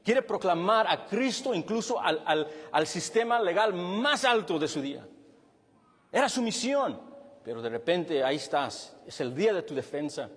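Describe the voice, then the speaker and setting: Man, pastor, sermon, high voice, husky, long hall reverb. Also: normal speed. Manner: animated preaching, rising and dropping to quiet.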